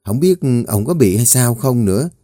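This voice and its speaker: A man voicing an older woman cook who mutters gossip in a low, hushed voice. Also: expressive, normal speed, no echo, clean studio sound, natural voice. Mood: worried.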